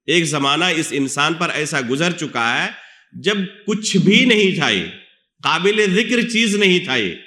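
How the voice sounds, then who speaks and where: Male religious lecturer with an Indian Urdu accent, bright forceful tone, fairly high voice, teacherly question-and-answer delivery, mosque echo. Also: expressive. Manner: teacherly, asks the audience questions and answers them. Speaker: Islamic scholar. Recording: echoey mosque hall.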